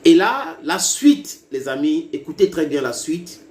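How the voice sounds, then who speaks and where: This native English-speaking male political commentator talks at a measured pace in a darkish, rather high voice with big pitch swings. In his video he addresses viewers directly and emphatically, building to heated bursts, and the recording has roomy echo and faint ambience.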